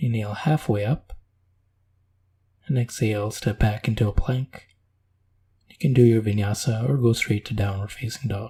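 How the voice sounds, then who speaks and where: The voice is dark, mellow and somewhat breathy, with a calm tone, fairly even intonation, big swings in loudness and long, frequent pauses. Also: man, medium pitch for a man. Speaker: yoga instructor. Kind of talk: guided yoga class voiceover. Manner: slow, calm.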